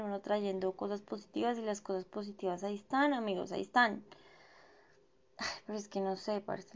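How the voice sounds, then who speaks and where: A woman's voice: mid-range voice, vocal fry, highs cut off. Chatty Bogotá woman with a dry throat. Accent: Bogotá Colombian. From Colombia. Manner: gossipy and animated, heavy slang fillers, self-mocking. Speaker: vlogger. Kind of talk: casual chatty monologue.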